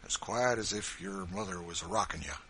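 A man's voice: low-pitched, fairly quick, pushed and bright, slight background noise. A man voicing a huge, kindly backwoods farmer with a rustic drawl, reading a book aloud. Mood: reassuring. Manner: rustic drawl, hearty and emphatic. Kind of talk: audiobook character reading.

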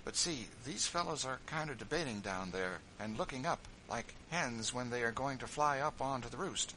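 A man's voice: medium pitch, expressive, normal speed, pushed and bright, a little hiss or hum, voice pushed up, rough recording. A man reading an audiobook, voicing an easygoing, wry Quaker frontiersman with folksy plain speech.

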